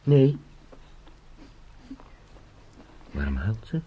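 An actor in a radio drama playing an anxious young travelling salesman trapped as a beetle, brooding in halting phrases. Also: on the low side, very animated. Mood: despairing. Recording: muffled, with background noise.

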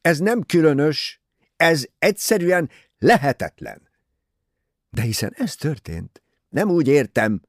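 An excitable detective pressing his point, his voice jumping high and loud, as the narrator puts him on. It sounds gravelly and close, with a dry, flat room. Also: pauses often, no room sound. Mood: emphatic. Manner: emphatic, insistent, raises voice. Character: small, excitable male detective, forceful and insistent.

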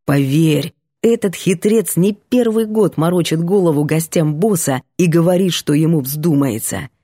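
A woman's voice: sits low, moderate pace, warm tone, slightly rough, dry recording, studio quality, pitched below the performer's own voice. Woman doing a playful, easygoing young man. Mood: teasing. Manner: soothing, playful. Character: easygoing, teasing young man, the heroine's friend.

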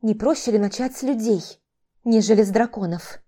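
A woman's voice: mid-range voice, a little fast, dark tone, natural voice. A woman voicing the heroine in her own voice, answering curtly and refusing firmly. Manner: curt, firm refusals. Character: cool stubborn young woman heroine.

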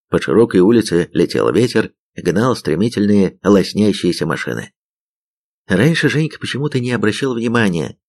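Low-voiced male audiobook narrator. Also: gravelly, a little mellow. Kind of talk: scripted narration.

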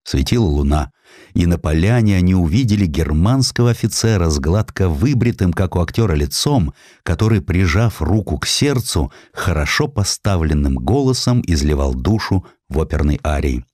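Male narrator, low register, close dry sound; measured, expressive storytelling for historical literature. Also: no echo. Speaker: audiobook narrator. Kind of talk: dramatic scripted narration of historical prose.

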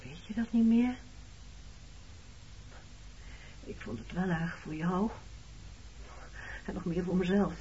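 A woman's voice: on the low side, moderate pace, dark tone, a little hiss or hum, lightly acted. An actress playing a wounded, reproachful married woman in a Dutch radio play, speaking frankly about her past. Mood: confiding, fearful. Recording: dull, muffled old radio recording.

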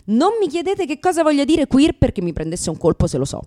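A woman's voice: high voice, sing-song, brisk, dark tone. A woman performing a theatrical comic monologue as a brash, neurotic lesbian comedian, sardonic, exclamatory, crude and self-mocking. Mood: wry, ironic.

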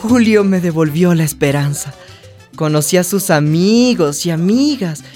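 A woman's voice: on the low side, animated, unhurried, music in the background. A woman playing a hopeful, sensitive young trans woman who confides her life story in a radio drama. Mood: reflective narrating. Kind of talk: radio drama narration and dialogue.

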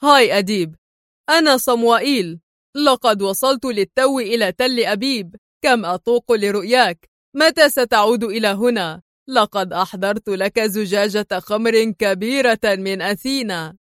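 A woman voicing a stern, sharp-witted Arab agent man who talks in a curt, firm way. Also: high-pitched, a little fast, no echo, studio quality. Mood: feigned cheer.

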